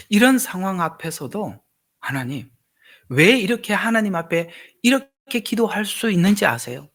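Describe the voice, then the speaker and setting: A male pastor preaching a sermon, acting out prayers and rising to loud, emphatic questions. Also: a little high.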